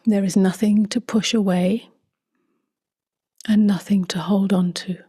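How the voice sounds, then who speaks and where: A woman speaking softly and gently in a near-whisper as she guides a meditation, unhurried, with long pauses. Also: mid-range voice, fairly even intonation. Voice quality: soft, breathy, near-whispered. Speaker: meditation teacher.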